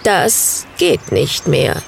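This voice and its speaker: A woman voicing a greedy, threatening male black bird in a storybook, slow and croaking. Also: sits low, big pitch swings, a little hiss or hum, voice pushed down, full character voice. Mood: menacing.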